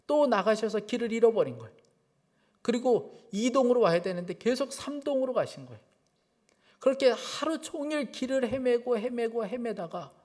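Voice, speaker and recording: A man preaching a sermon as a church pastor, telling personal stories earnestly and rising into fervent preaching. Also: high-pitched.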